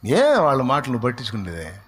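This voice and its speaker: A man's voice: wildly swooping pitch, fairly quick, husky. A man preaching a sermon, acting out the voices of scoffers and building to emphatic rhetorical questions. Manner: acts out crowd voices in shifting pitch and volume. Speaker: pastor.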